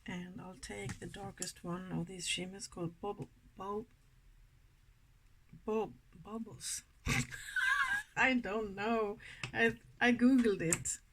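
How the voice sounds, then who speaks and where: A woman from Sweden with a Swedish accent, chatting softly and giggling through a makeup tutorial, sometimes dropping to a whisper. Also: mid-range voice, huge pitch swings, takes it slowly, pauses often, noisy background. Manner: soft-spoken, giggly, often drops to a whisper. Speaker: makeup vlogger. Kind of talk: casual makeup tutorial chat.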